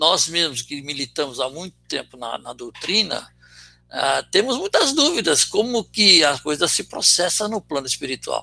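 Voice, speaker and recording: A man's high, bright, sharp voice at a moderate pace, with very wide pitch swings and big swings in loudness. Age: 70s. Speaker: spiritist study group leader. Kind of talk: lecture. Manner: halting.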